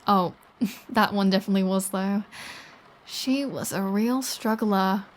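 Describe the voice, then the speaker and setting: A woman's voice: medium pitch, close to an everyday voice. A woman playing a flirty, taunting, predatory vampire in an intimate audio roleplay, with a teasing, sardonic delivery. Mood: gloating, hungry. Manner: slow, teasing, sardonic, casually profane.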